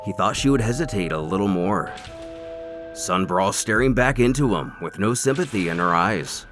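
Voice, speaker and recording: A man's voice: on the low side, expressive, moderate pace. A man narrating an action story in a theatrical, scripted style, with music playing behind him. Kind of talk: dramatic scripted comic narration. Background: dramatic background music.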